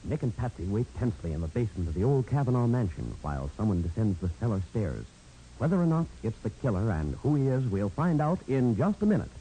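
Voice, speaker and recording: A man's voice: fairly low pitch, big pitch swings, fast, rough recording. A man narrating a 1940s radio drama in a dramatic, suspenseful announcer style. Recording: old radio recording. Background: loud music.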